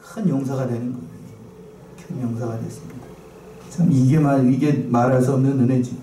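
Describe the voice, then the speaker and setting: This pastor's voice is medium-pitched, steady, and mellow, and he moves at a brisk clip. Preaching in the church sanctuary, he keeps posing questions to the congregation and repeating his main phrases, all captured in a roomy, distant recording with a little faint noise.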